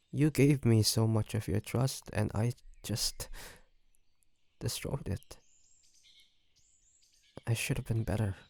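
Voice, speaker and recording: A man playing a gentle, remorseful vampire in an intimate audio roleplay, speaking hesitantly and earnestly with many pauses. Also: medium pitch, gravelly. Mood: guilty, remorseful. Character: remorseful, gentle male vampire tending his wounded victim.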